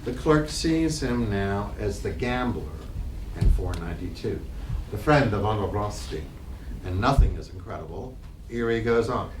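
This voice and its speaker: A man's voice: fairly low pitch, expressive, moderate pace. A man reading stage directions as scripted narration for a dramatic play reading. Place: library reading room, public event. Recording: roomy, distant mic, noisy room.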